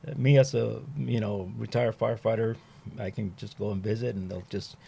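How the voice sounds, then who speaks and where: A middle-aged man, a retired firefighter and fire training instructor, telling stories in casual conversation, rambling and filling every pause with "you know". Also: fairly low pitch, fairly even intonation, vocal fry, mellow, slight background noise.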